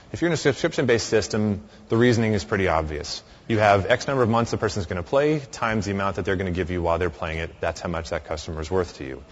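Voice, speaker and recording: A man with a very low, deep voice gives a conversational conference talk in a large hall. He speaks into a microphone and often stops and starts himself. The recording sounds muffled and lo-fi. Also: slight background noise. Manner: conversational with frequent fillers and restarts.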